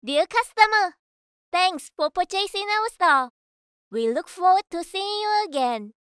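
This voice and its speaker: A woman reading scripted voice-over in a measured, clearly enunciated way. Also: very high voice, expressive, fairly bright tone, dry recording. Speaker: voice actor. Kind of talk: voice-over demo reading of commercials, narration and announcements.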